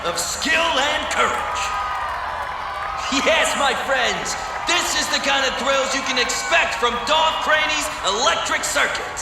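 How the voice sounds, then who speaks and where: An actor playing a bombastic race promoter announcing to a crowd in an audio drama. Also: male voice, very high voice, animated, takes it slowly, gravelly, full character voice. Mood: triumphant showman. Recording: echoey, distant, loud crowd and music.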